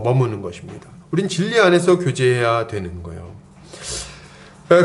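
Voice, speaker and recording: A male pastor in his thirties preaching an expository sermon, telling stories and acting out the voices of the people in them. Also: on the high side. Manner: storytelling, acts out quoted voices, chuckles often. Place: church sanctuary.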